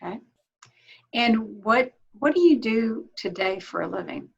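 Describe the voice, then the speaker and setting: A woman hosting a candidate interview, keeping her prompts short and polite. Her voice sits a little high, and the recording has a dull, muffled tone. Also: expressive, unhurried, creaky, slightly rough. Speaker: interviewer, chamber of commerce host. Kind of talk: scripted interview questions.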